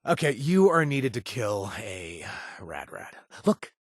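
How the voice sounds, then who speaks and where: Sarcastic game companion, lively up-and-down pitch, stammering, dry booth recording. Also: male voice, slow pace, no room sound. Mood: wry. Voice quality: animated, sarcastic delivery with hesitant stammers. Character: wry young man, quest-giving companion, sarcastic and jumpy. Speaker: video game companion character. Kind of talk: video game voice lines. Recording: dry studio sound.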